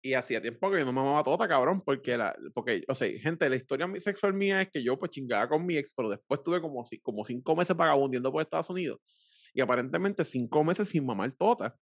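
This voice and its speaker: A man with a Puerto Rican accent in casual chat, telling crude, animated stories full of swearing. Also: mid-range voice, fast talker, dry recording, clean studio sound.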